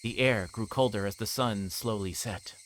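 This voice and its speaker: A man's voice: lowish voice, moderate pace, fairly bright tone, a little hiss or hum. A man livestreaming a visual novel, reading the text aloud and sometimes stumbling and correcting himself.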